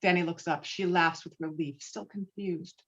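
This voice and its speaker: A woman's voice: on the low side, fairly even intonation, moderate pace, fairly bright tone, highs cut off. A woman reading stage directions as scripted narration for a virtual table read, recorded over an online call. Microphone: online call microphone.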